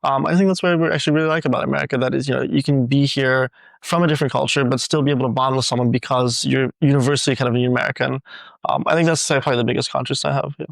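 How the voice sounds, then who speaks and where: A young man from the Netherlands, a student guest in a casual interview, talking quickly with many fillers. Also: medium pitch, steady tone, creaky, dry recording, low-quality recording. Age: young adult.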